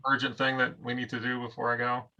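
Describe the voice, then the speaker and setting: Man, mid pitch, monotone, matter-of-fact, clear crowd chatter behind. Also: fast talker, rough recording. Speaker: board member.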